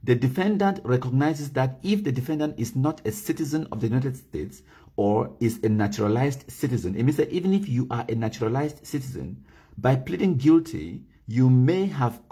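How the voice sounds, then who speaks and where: A man's voice: mid-range voice, lively intonation, dark tone, slightly rough. A man from Cameroon with a Cameroonian Pidgin English accent, hosting a live broadcast and reading legal text aloud to his viewers. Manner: mixes Pidgin and English, reads documents slowly and stresses key words; addresses viewers directly, asks them to type comments. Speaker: livestream host.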